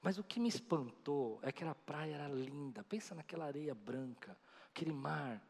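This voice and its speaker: A man's voice: a little high, lively intonation, normal speed, creaky, slightly rough. A man preaching a sermon, telling stories with animation and acting out the voices of others. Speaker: pastor. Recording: long reverb of a large hall.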